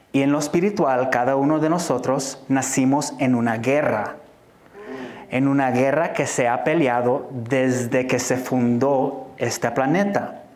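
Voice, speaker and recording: A man at a medium pitch speaks at a fairly slow pace with fairly even intonation and very even loudness. Noticeable background noise and audible room echo surround him. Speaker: preacher. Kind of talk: sermon. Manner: halting.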